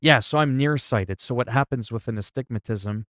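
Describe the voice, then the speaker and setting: A livestreamer in his forties talks with his viewers in a casual, profane, rambling way, explaining things through everyday examples. His voice sits at a medium pitch and moves at a normal speed with a slightly bright tone. The studio-quality recording has no echo.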